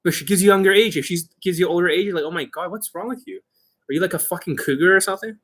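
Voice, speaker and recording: A man giving informal coaching to online viewers as their host, brash and boastful, with emphatic, sweary delivery and a slightly rough, husky voice. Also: high-pitched, rapid-fire, fairly bright tone. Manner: acts out mock exchanges, emphatic.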